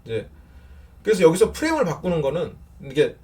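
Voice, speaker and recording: A middle-aged man giving casual counseling advice with a fairly loud voice, talking in an animated way and laughing often. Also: fairly high pitch, brisk. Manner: animated, laughs often, acts out short example lines. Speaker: counselor answering viewer questions.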